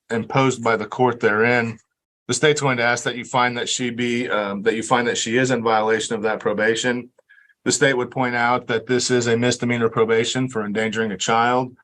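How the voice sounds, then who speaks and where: A man acting as the prosecutor, questioning a witness in a formal, measured way in a courtroom recording. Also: medium pitch, bright, forceful tone, low-quality recording.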